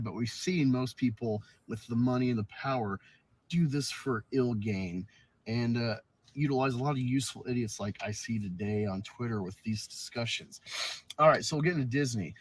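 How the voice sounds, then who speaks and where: A man's voice: mid-range voice, slightly rough. A man making his case assertively and discursively in an unscripted online debate.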